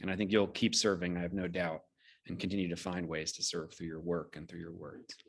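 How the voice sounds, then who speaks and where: Low-voiced man, measured host. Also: flat delivery. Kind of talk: moderating a live online discussion. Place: video call.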